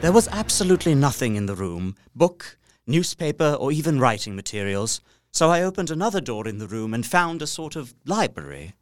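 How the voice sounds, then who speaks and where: A man's voice: mid-range voice, very animated, fairly quick, faint music behind, natural voice. An actor playing a polite, observant and uneasy young solicitor, narrating his journal earnestly and precisely in a gothic audio drama. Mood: vexed, curious. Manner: precise, earnest, theatrical storytelling.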